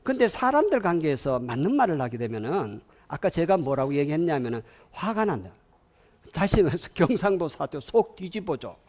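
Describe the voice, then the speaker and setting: A man with a Gyeongsang accent giving an animated lecture to parents, often asking the audience questions and having them repeat lines after him. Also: fairly high pitch, fairly quick.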